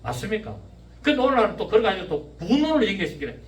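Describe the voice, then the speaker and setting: A pastor in his fifties with a Gyeongsang accent, preaching a sermon, often shouting and firing questions at his congregation. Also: sits high, very animated, quick pace. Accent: Gyeongsang Korean. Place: church sanctuary. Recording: echoey church room, mic at a distance.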